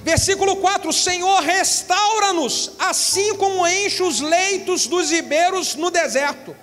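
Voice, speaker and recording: A Brazilian pastor preaches with a fervent cadence, his voice sitting very high for a man. His lines ring out in a large church hall with a long reverb, and faint music plays behind him. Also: measured pace. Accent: Brazilian Portuguese. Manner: fervent preaching, swelling into shouts. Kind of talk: sermon.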